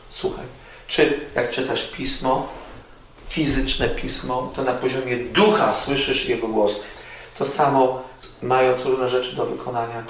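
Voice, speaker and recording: A man preaching an earnest sermon, repeating his calls, rising loud and dropping to near whispers. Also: medium pitch. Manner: earnest, repetitive exhortation with sudden loud rises and soft drops. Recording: very echoey, distant mic with faint noise.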